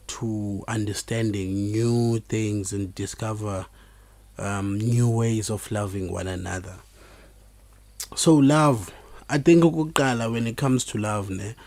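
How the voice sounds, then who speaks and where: A man with a Xhosa South African accent hosts an informal podcast, speaking in a halting, reflective way. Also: fairly low pitch, darkish tone, no echo. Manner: halting, reflective delivery with repeated words. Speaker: podcast host. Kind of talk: informal solo podcast talk, mixing two languages.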